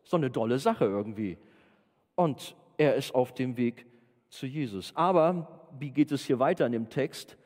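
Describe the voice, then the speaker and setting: A man preaching to young people at a medium pitch, playful and chatty. He keeps turning questions to the audience. His voice carries through a hall with a long reverb. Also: animated, measured pace, darkish tone. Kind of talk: informal sermon to a youth group.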